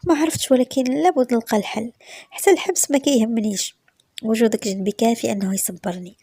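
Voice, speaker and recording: A pleading, devoted young husband with a Moroccan accent, voiced by a woman telling the story. His speech is soft and hushed, with a breathy, mellow tone. The lines come fast and feel close, in a dry space. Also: a little high, no room sound. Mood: tender.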